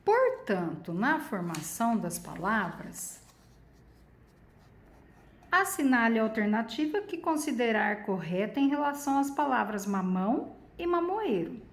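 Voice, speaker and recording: A woman's voice: fairly high pitch, big pitch swings, unhurried, roomy sound. A Brazilian woman teaching a primary school lesson, patiently asking questions and stretching key words. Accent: Brazilian Portuguese. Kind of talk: recorded lesson for children.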